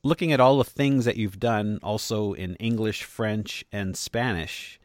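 Man, interviewer, somewhat low voice, playful and joking, dry close sound. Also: measured pace, no echo. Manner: playful, self-deprecating, laughs easily. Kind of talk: casual interview questions.

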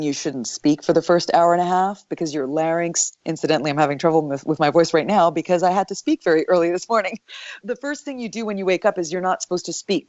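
Low-voiced woman with a deep morning voice. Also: no room sound, dull audio. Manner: thoughtful, explanatory, with soft laughs. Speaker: voice actor guest. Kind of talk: interview answers.

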